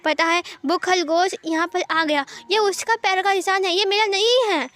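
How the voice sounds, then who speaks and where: A woman's voice: very high-pitched, steady tone, normal speed, fairly bright tone, voice pushed up. Woman doing a lisping scared little boy. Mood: pleading. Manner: lisping baby talk, whimpering. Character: small boy child, scared and whiny.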